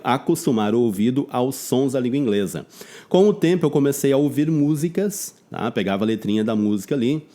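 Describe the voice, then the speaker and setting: A man's voice: medium pitch, mellow. Chatty Brazilian man teaching English. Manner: chatty, loose, drawn-out English examples. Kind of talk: casual video lesson.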